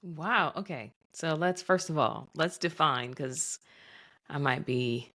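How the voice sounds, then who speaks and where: Low-pitched woman host; chatty, self-deprecating interviewer who recaps. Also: takes it slowly, fairly bright tone. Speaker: podcast host. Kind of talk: podcast interview, casual chat.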